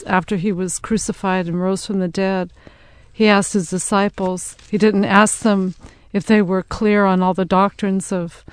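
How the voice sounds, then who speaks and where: Gentle devout American woman. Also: medium pitch, clean tone, no echo. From United States. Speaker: speaker's wife. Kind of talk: personal testimony, Bible reading.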